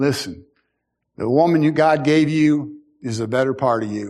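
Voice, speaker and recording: The man's voice sits at medium pitch and shows ordinary pitch variation. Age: 60s. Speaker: pastor. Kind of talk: sermon. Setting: church. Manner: animated.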